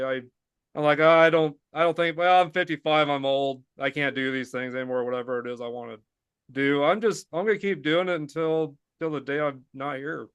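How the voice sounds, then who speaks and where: A man's voice: a little high, fairly bright tone, clean tone, no echo. A man in his fifties hosting a podcast, chatting in an earnest, agreeable way. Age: 50s. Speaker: podcast host. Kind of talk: casual chat.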